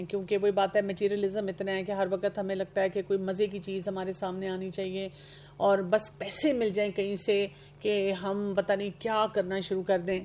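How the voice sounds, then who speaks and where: A woman's voice: medium pitch, darkish tone. Woman, earnest advice-giving lecture voice, slips English terms into her speech. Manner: acts out young people's excuses in quoted asides. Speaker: speaker on youth guidance. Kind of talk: lecture on self-improvement.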